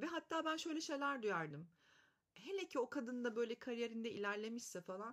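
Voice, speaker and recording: In a high voice with very wide pitch swings, a woman speaks at a moderate pace. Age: 40s. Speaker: podcast host. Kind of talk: solo podcast monologue. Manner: casual, conversational.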